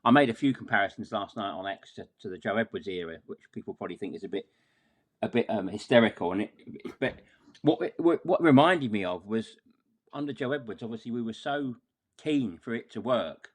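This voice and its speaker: A man's voice: fairly low pitch, animated, brisk. A man talking casually through a football match as a podcast guest, wordy and exasperated, often repeating words as he goes.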